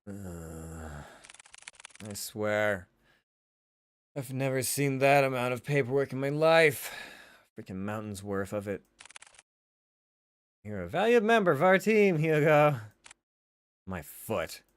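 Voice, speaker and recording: A man's voice: mid-range voice, big pitch swings, takes it slowly, pauses often. A man voicing a world-weary, grumbling detective of thirty in a visual novel. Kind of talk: visual novel character reading.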